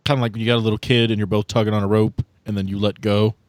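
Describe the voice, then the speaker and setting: A man acting as game master, narrating a tabletop role-playing game in descriptive, deliberate detail. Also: fairly low pitch, little pitch movement, dry recording.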